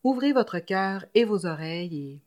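A woman podcast host reads a scripted introduction in a warm, inviting way. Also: mid-range voice, lively intonation, normal speed.

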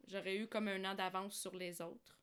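A woman's voice: medium pitch, level tone, moderate pace, a bit bright, smooth. A woman from Algeria chatting casually as a podcast guest, telling personal stories. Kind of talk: casual conversational storytelling.

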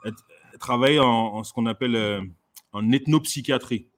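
A comedian guest speaks in a mid-range, fairly quick male voice during a casual conversation. He sounds hesitant, using lots of fillers and restarts, and laughs often.

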